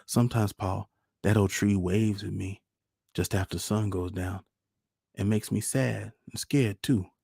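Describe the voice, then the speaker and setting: A man's voice: lowish voice, fairly even intonation, unhurried, gravelly, warm tone, husky, dry recording, clean studio sound, pitched above the performer's own voice, exaggerated voice. A man voicing a small, dreamy, easily upset boy with a rural Southern accent in a storybook reading. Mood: wistful, eager. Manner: pleading, childlike dialect speech.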